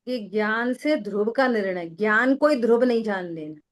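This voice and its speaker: A middle-aged woman leads a question-and-answer discussion as a spiritual teacher. Her voice sits a little high, and she explains patiently with homely examples. She often repeats a phrase to drive a point home. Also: normal speed.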